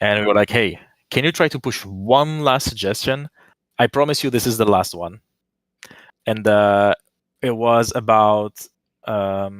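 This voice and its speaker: A man's fairly low voice with a non-native accent, fairly slow with long, frequent pauses and ordinary pitch variation, dry and close with no echo in a very clean recording on a silent background. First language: not English. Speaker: online game alliance council member. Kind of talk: interview on live stream. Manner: halting, many fillers and restarts.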